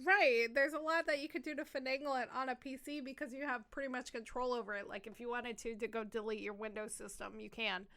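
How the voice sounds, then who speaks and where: A woman co-hosting a gaming podcast in casual, profane, animated chat, a little hoarse from a sinus infection. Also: a little high, quick pace, hardly any pauses. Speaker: podcast co-host.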